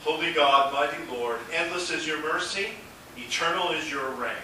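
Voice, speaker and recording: A man's voice: a little high, sharp tone, a little hiss or hum. Man praying in cathedral echo. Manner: measured, solemn intoning. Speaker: pastor leading worship. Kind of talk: liturgical prayer. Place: large echoing church. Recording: cathedral echo, voice heard from a distance.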